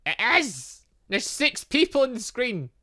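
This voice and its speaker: Lively, bright-voiced man doing game commentary. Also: extremely high pitch, unhurried. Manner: playful, excitable asides, stumbles and interjections. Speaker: gaming video host. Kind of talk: casual let's play commentary, reading game dialogue aloud.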